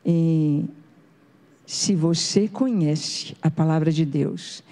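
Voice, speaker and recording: Warm-voiced woman pastor preaching. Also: low voice, drawn-out words. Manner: conversational, asks the congregation rhetorical questions. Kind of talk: storytelling sermon.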